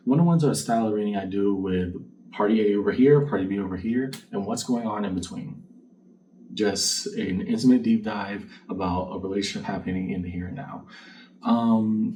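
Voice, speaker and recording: A low-voiced man gives a casual tarot reading in a mellow, relaxed tone. He is conversational and reflective, recorded a little away from the mic. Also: a little fast. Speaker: tarot card reader and channel host. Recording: distant mic with faint background noise.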